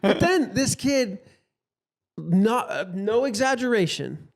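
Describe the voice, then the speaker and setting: A young man with a fairly high voice chats casually as a podcast co-host. He tells stories and acts out the people in them with playful voices. His voice sits a little above the usual male range. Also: expressive, takes it slowly, gravelly. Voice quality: higher-pitched voice. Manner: storytelling with playful voice impressions. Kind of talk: casual chat.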